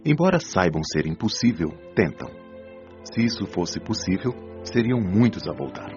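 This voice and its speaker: Man playing a deep-voiced, patient Brazilian spirit doctor. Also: big pitch swings. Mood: reflective, stern. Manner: didactic, measured, gently admonishing. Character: patient, wise male spirit doctor counselling souls. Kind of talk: Brazilian audio drama acting. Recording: dull lo-fi audio, music behind.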